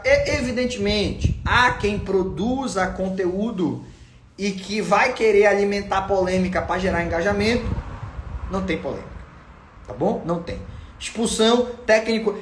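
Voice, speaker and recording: A man's voice: sits high, fairly bright tone, roomy sound. A Brazilian man hosting a football channel, giving insistent, opinionated commentary and repeating his points for emphasis. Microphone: home recording.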